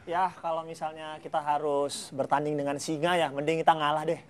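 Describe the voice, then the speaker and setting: A man's voice: a little high, level tone, fairly quick. A man, a stand-up comic, bantering playfully on a TV stage. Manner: playful, mock-sweet. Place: TV studio stage with live audience. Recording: loud crowd and noise behind.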